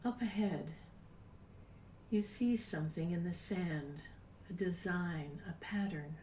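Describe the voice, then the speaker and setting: A woman in her sixties leading a guided meditation in a soft, breathy, unhurried voice with long pauses, at times near a whisper. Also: lowish voice. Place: small home room, indoors. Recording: roomy, distant mic with background noise.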